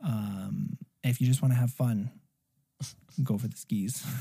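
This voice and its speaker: A man with an American accent, a dark, mellow tone, a somewhat breathy sound and a fairly slow pace. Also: dry, close sound with no echo. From Arizona. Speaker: songwriter and podcast host. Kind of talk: casual chat. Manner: animated, joking.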